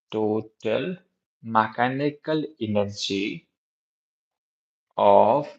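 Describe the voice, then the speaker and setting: A man with a South Asian accent teaching a live physics lesson in a halting, repetitive way, often checking with his students. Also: medium pitch, vocal fry. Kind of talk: live exam-prep lesson, working through problems. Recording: dull lo-fi recording.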